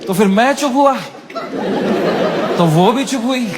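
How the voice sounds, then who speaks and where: Man, stand-up comedian, high voice, animated, crude, self-mocking, live audience, background noise. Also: measured pace, a loud crowd. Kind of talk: stand-up storytelling. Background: audience laughter and room noise.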